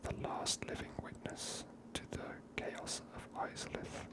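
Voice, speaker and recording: A host whispering an ASMR game commentary in a hushed, unhurried way, musing aloud close to the microphone. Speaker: gaming video host.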